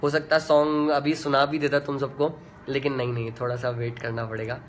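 A young man, a singer, chatting casually in a fan live chat, reading out comments in a relaxed way with many fillers. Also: mid-range voice, brisk, a little hiss or hum. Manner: laid-back and chatty, full of "yaar" and "matlab" fillers.

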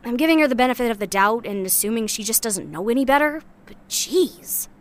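A young female scrap scavenger played by a woman speaks in a fairly high voice. She is blunt, guarded and cynical, with a dry sarcastic edge, as if logging a confession in a sci-fi audio drama. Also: animated, fairly quick, lightly acted. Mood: exasperated, sarcastic. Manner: sardonic, blunt, casual, swearing. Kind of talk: audio drama monologue, naturalistic.

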